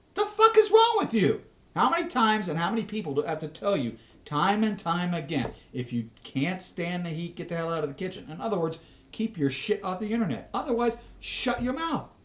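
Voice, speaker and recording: Over noticeable background noise, a man talks at a fairly quick pace in a high voice with lively intonation. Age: 60s. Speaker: reaction YouTuber. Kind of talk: reaction commentary. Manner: animated.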